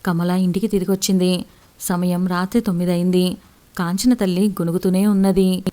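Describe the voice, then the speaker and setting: A woman narrating an audio story in a steady, even reading voice. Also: on the low side, moderate pace. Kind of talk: scripted storytelling.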